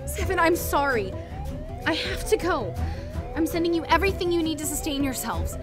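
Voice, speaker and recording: Desperate, high-pitched commanding heroine. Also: female voice, very animated, moderate pace. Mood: regretful, hurried. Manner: urgent, emphatic delivery. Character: desperate, commanding woman fleeing a shut-down computer facility. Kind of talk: audio drama acting. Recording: music and sirens behind. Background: music, sirens.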